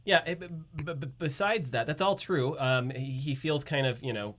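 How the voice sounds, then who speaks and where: A man, a voice actor, chatting on a panel in a playful, halting way. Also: a little high, a bit bright. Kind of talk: casual joking chat.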